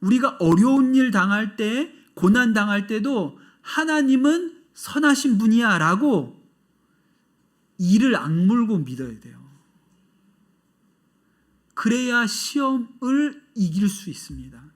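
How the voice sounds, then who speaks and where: A pastor giving a sermon in a church service, conversational and expressive. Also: male voice, high-pitched, unhurried.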